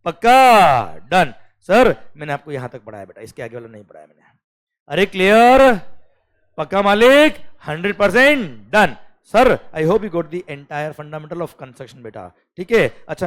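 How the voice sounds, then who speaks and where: Guy teaching a class, lively and coaxing, slightly high voice, reads the law lines slow and careful. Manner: animated, coaxing, mixes English phrases, calls students beta; reads legal text slowly, word by word. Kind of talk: lecture.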